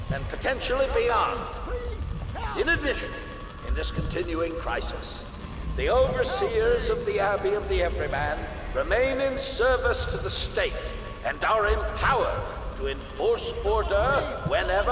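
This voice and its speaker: An actor playing a pompous, authoritarian regent in a video game, making a formal, measured public announcement. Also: male voice, sits high. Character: pompous authoritarian male regent addressing his citizens. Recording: echoing outdoor public address.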